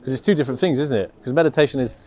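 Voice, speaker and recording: A man's voice: medium pitch, rapid-fire, warm tone. A man doing a casual walking interview, asking questions in an informal, matey, sweary way.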